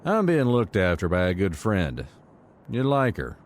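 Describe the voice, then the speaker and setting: A man's voice: low-pitched, huge pitch swings, measured pace, heavily acted. An actor playing a lonely, protective man long stranded as a castaway in an audio drama. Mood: stunned, haunted.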